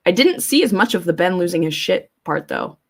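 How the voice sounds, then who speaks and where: A woman's voice: on the low side, big pitch swings, brisk. Blunt woman chatting on a livestream. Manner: informal, blunt, swears freely; rambling, thinking aloud. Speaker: live streamer, host. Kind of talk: casual livestream chat, commentary, reading viewer comments aloud.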